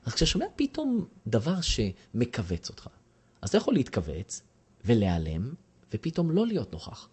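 Husky man lecturing with very lively pitch. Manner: asks the audience questions. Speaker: teacher. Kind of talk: lecture on communication to a class.

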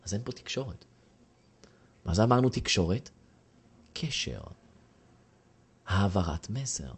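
A man's voice: fairly low pitch, expressive, breathy edge. A man giving a lecture to a class and asking the audience questions. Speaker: teacher.

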